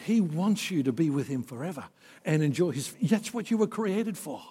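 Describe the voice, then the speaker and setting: A man preaching a sermon, earnest, swinging from emphatic peaks to soft, quiet passages. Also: a little high, lively intonation, normal speed, breathy edge. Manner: earnest, rising to emphatic then dropping soft. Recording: long hall reverb.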